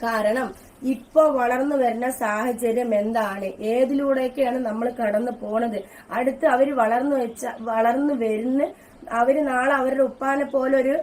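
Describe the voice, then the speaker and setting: An earnest woman speaks emphatically in a slightly high voice. She sounds a little off-mic. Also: steady tone, moderate pace, a little mellow, far from the mic. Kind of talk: earnest personal talk.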